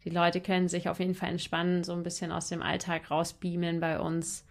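A woman's voice: on the low side, monotone, fairly quick. A woman talking casually and enthusiastically as a musician guest in a podcast interview, in informal language.

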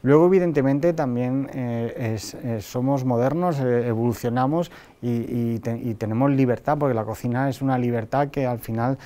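A man's voice: medium pitch, moderate pace, warm tone. A chef in his thirties speaking earnestly in an interview, often repeating words, on a lapel mic. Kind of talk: interview talk.

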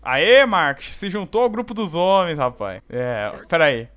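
Um jovem brasileiro narrando uma partida com gírias, bronqueando os personagens com empolgação. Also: male voice, fairly high pitch, measured pace. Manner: excitable, scolding the characters, slangy. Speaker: gameplay host. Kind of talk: casual gameplay commentary.

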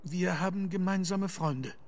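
A man playing a courteous but troubled Victorian gentleman in a radio play, speaking formally and deliberately. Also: high-pitched, a little hiss or hum. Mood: polite, probing. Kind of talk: German radio play acting.

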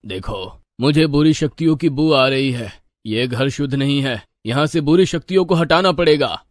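An actor playing a stern, irritable old Hindu priest in a cartoon story, scolding and pompous. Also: male voice, medium pitch, moderate pace, no echo, clean studio sound, natural voice. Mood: ominous.

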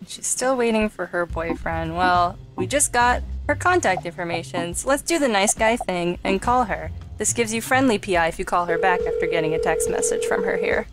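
A woman's voice: lowish voice, expressive, normal speed, hardly any pauses, over music. A woman hosting a let's play with casual gaming commentary.

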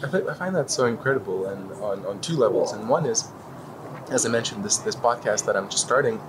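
Curious young podcast host from Lithuania. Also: male voice, lowish voice, expressive, a little fast. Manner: curious, reflective questioning. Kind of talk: conversational interview. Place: outdoor glass dome on a city square. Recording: street noise behind.

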